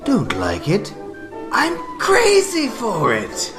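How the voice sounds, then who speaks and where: A theatrical madman villain for a radio drama. His voice leaps into high, sardonic flourishes and drawls with mock courtesy, backed by music. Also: huge pitch swings, exaggerated voice. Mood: manic glee. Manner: flamboyant, sardonic, drawn-out. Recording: music behind the voice.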